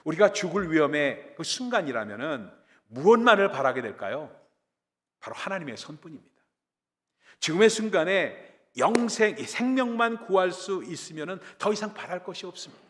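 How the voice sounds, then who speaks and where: A male pastor preaching a sermon, telling a story with dramatic swings between loud and quiet. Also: sits high, big pitch swings, normal speed, in a large hall.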